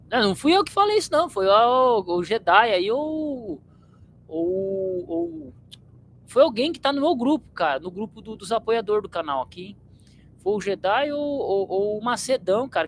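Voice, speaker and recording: A man's voice: very high-pitched, gravelly, fairly bright tone, a little hiss or hum, low-quality recording. A man from São state, hosting his channel in a blunt, slangy, rambling monologue to viewers. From São Paulo state, Brazil. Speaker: channel host.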